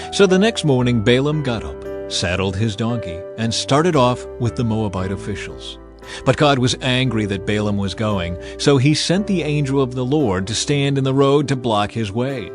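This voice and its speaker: Over background music, a man narrates a dramatized audio Bible, giving a solemn, scripted storyteller's reading of scripture. His voice is medium-pitched and animated at a moderate pace.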